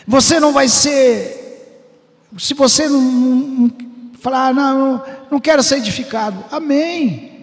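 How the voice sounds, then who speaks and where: A very high-voiced man preaching with fervor, his gravelly voice rising into shouts and chanted lines. Long reverb from a church hall trails each phrase. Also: moderate pace. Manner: fervent, shouting bursts and sing-song preaching. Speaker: pastor. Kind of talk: Pentecostal sermon.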